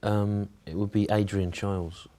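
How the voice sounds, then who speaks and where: A man's voice: on the low side, level tone, a little slow, mellow. A man from the Midlands being interviewed, answering in a dry, hesitant, mock-earnest way. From English Midlands. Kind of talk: deadpan comic interview.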